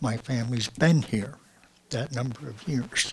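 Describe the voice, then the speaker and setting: With an American accent, a man speaks at a fairly slow pace in a somewhat breathy voice. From New Jersey, Franklin Township. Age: 80s+. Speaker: resident speaking at council meeting. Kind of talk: public comment.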